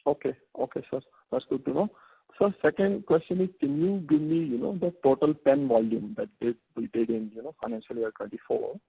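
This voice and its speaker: Man, analyst, rough husky voice, polite, halting, dry narrowband handset sound. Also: mid-range voice, lively intonation, no room sound. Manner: polite, halting with repeated words. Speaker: investor analyst asking questions. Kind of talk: earnings call questioning. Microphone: phone handset. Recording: tinny narrow phone line.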